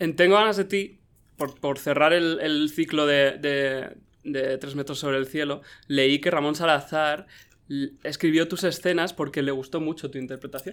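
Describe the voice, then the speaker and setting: On a very clean recording with a silent background, a man with a plain, everyday voice speaks at a moderate pace, fairly high in pitch and with fairly even intonation. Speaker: podcast host and film journalist. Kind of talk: casual interview chat.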